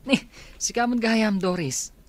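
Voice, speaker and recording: A man's voice: high voice, measured pace. An actor playing Alex, a young man who is the groom's friend, in a radio drama. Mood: explaining.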